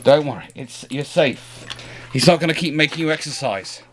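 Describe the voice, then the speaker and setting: A man's voice: on the high side, animated, normal speed, a little hiss or hum. A man hosting a live stream in a casual, chatty way, often rambling and breaking off mid-sentence. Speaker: livestream host answering naval history questions.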